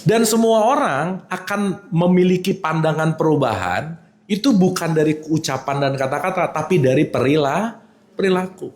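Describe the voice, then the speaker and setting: A man's voice: on the high side, normal speed, roomy sound. A man giving a casual religious lecture, teasing and checking in with his listeners. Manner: animated, teasing, checks in with the audience. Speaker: religious teacher.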